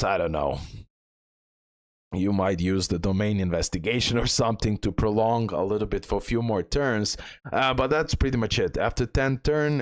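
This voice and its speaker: Man, low voice, casual game guide commentary, repetitive, checks in with listener, very dry sound. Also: no room sound. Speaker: video game guide host.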